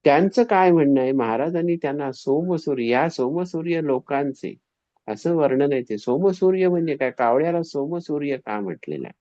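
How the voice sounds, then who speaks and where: A man telling a devotional story in an animated way, acting out the quoted voices. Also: on the high side, normal speed, no echo. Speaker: spiritual storyteller. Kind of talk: devotional discourse. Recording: dull, dry, slightly lo-fi recording.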